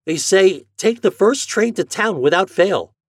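An excitable young farm boy from a storybook, voiced by a man. He speaks in a raised, slightly husky voice that swings up and down, with rustic, folksy phrasing and eager exclamations. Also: a little high, normal speed, no room sound, clean studio sound, voice pushed up. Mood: excited, worried.

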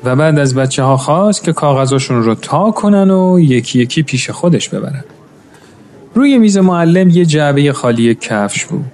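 A man narrating a story in a calm, measured way, now and then addressing his listeners as friends. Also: medium pitch. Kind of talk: scripted narration.

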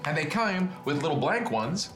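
Male player, high animated voice, jokey and profane, roomy echo. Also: moderate pace, music in the background. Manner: joking, swears casually. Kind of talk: casual tabletop game chat. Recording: echoey room.

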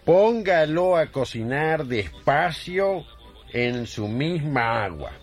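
Slow, gruff old Argentine man, acted. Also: on the high side, animated. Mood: bossy. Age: older. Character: touchy, nostalgic old bachelor, former kitchen helper. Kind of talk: radio drama acting.

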